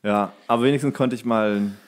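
A man's voice: lowish voice, steady tone, a little fast. Young man chatting in rambling, joking style. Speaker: podcast co-host. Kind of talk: casual banter, storytelling.

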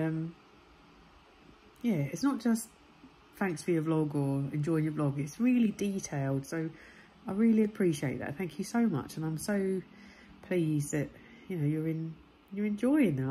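Low, congested woman vlogging chattily. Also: lively intonation, normal speed, slight background noise, poor audio. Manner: chatty, chirpy and warm. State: congested, bunged-up nose. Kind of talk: casual daily vlog chat. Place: home and car, indoors. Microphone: phone camera at arm's length.

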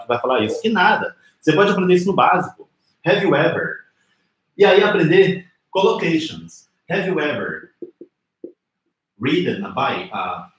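A Brazilian man in his forties giving an informal, conversational English lesson on a live stream, explaining didactically with rhetorical questions and example phrases. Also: mid-range voice. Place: small indoor room with whiteboard. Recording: roomy, echoing indoor sound.

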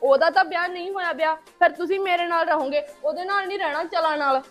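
High-pitched reproachful first wife, a woman acting. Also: quick pace, fairly bright tone, faint music behind. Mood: pleading. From Punjab. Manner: reproachful, coaxing questions. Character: young woman, returning first wife, pleading. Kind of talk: Punjabi village drama dialogue.

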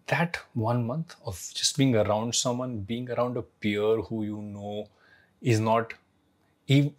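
A man in his forties telling a personal story to camera in a reflective, emphatic way, his throat a little husky. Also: medium pitch. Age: 40s. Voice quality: slightly husky, throat clearing. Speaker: founder sharing life lessons.

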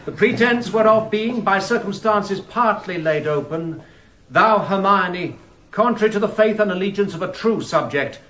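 An actor playing a court officer formally reading out an indictment in a radio drama. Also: male voice, high-pitched, normal speed, sharp tone, roomy sound. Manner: formal, proclaiming.

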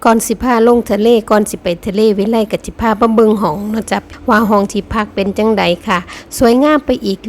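Chatty Isan-accented woman vlogger. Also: mid-range voice. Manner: chatty, addresses viewers as family, laughs often. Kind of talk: casual vlog narration. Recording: roomy with faint background noise.

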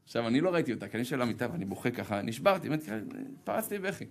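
Man, rabbi, storytelling sermon, gravelly voice, humorous, self-deprecating, acts out dialogue. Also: big pitch swings. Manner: acts out dialogue with sharp pitch jumps. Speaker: rabbi giving a talk.

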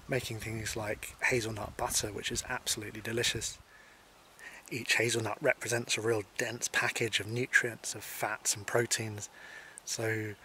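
Calm, flat-voiced man teaching foraging outdoors. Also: fairly low pitch. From Scotland. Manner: calm, explanatory, unhurried. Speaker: foraging instructor. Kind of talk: outdoor foraging walk-through to camera. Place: outdoors by hedges and a field. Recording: faint outdoor noise.

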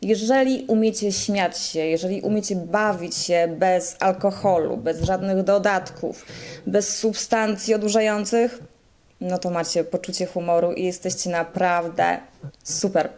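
A woman's voice: on the low side, steady tone, a little slow, darkish tone. Woman sweetly addressing her viewers. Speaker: online interviewer answering viewer questions. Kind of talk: casual talk to camera.

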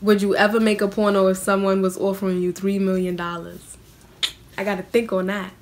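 A woman's voice: medium pitch, flat delivery, a little fast. A young American woman talks straight to a close camera in a small room, answering viewer questions. Her delivery is blunt and casual, loaded with slang and "like" fillers, and never sounds rehearsed. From United States. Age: young adult. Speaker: vlogger.

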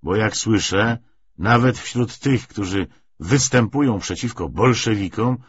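A man's voice: fairly low pitch, measured pace, breathy edge, voice pushed up. A man voicing a devout elderly father who is bewildered and questioning, speaking in an earnest, pleading, emphatic way. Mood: bewildered indignant. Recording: dull lo-fi recording.

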